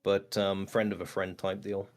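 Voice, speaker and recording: A man's voice: sits low, level tone, moderate pace, a little hiss or hum. A man speaking as an interview guest in casual chat, explaining things in a hesitant, rambling way. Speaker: interview guest, voice actor and creator of a parody series.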